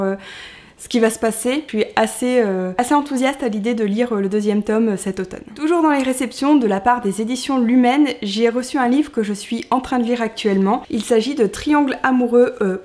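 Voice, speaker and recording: A woman's voice: fairly high pitch, darkish tone. A woman book vlogger, chatting casually through her book haul with many fillers and restarts.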